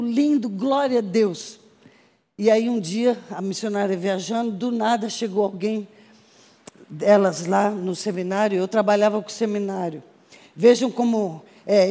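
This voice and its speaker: In a reverberant hall, a Brazilian woman missionary gives her testimony to a congregation as a sermon, speaking at medium pitch. She tells it with lively storytelling, acting out the voices of the people in her story.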